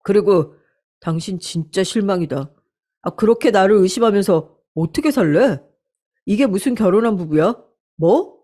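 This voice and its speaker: A woman's voice: mid-range voice, expressive, moderate pace, dark tone, close to an everyday voice. A woman playing a blustering, defensive young husband. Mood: defensive angry. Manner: defensive, irritable, brushing off accusations. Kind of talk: radio story acting.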